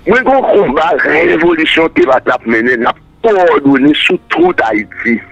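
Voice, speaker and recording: A man's voice: a little high, lively intonation, measured pace, gravelly, a bit bright, no room sound, highs cut off, soft background music. A man, a political guest answering in a radio interview, emphatic and repetitive, declaiming his points.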